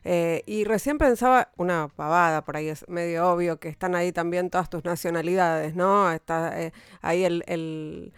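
Interviewer, smooth, fairly low voice, dry close sound, hesitant and friendly. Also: female voice, steady tone, normal speed, no room sound. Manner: hesitant, rephrasing questions. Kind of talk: casual interview.

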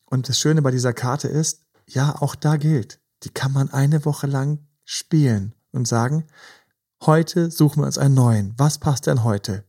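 Gravelly, mellow-voiced male podcast host. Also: a little high. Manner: gentle, advising, many fillers. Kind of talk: casual podcast chat about relationships.

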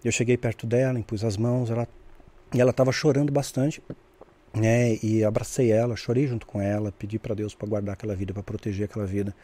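A man tells a story at a quick clip, his voice dark and mellow. He talks in a lively way and acts out the voices he quotes, often checking in with "né?". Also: on the low side. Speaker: guest storyteller. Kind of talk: casual storytelling.

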